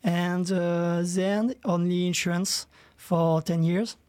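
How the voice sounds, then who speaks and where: A man's voice: sits high, fairly even intonation, takes it slowly, darkish tone, smooth, no echo. A French-accented man in his thirties, a startup co-founder speaking French-inflected English with hesitant fillers in a studio interview. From France. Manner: hesitant, many fillers, plain non-native phrasing.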